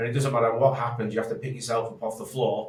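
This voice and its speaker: A man with a strong Manchester accent speaks at medium pitch, with audible room echo around him. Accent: Mancunian, kept strong. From Manchester, northern England. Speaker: advertising agency founder. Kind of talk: podcast interview. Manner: fast.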